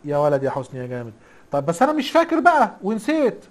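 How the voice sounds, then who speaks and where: A man's voice: on the high side, huge pitch swings, racing. A man with an Egyptian accent teaching a casual recorded lesson, chatty and teasing, constantly quizzing the class with rhetorical questions. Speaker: IT instructor.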